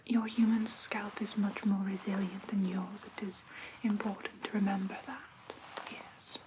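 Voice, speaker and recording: A woman plays a soothing female vampire who teaches human pet care in an ASMR roleplay. She whispers breathily and patiently, with gentle check-ins, over clear background hiss. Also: medium pitch, little pitch movement, a little slow, natural voice. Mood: gentle, instructive.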